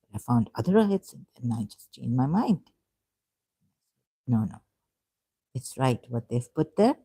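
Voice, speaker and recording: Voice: mid-range voice, very animated, unhurried, dark tone, breathy edge. A vlogger talking in an unscripted monologue about religious texts, rambling and hesitant, often stopping and restarting and asking rhetorical questions.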